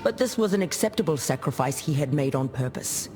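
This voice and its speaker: An actress playing a proud, solemn dead female warrior chieftain in a video game, telling tribal lore in a measured, formal way. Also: sits low, expressive, noisy background. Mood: proud, grave. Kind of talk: video game character monologue, storytelling.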